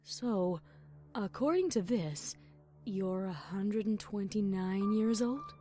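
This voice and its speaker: A woman playing a calm pony princess, measured, patient and gently wry, in an audio fan story. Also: mid-range voice, soft background music. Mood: dry, questioning.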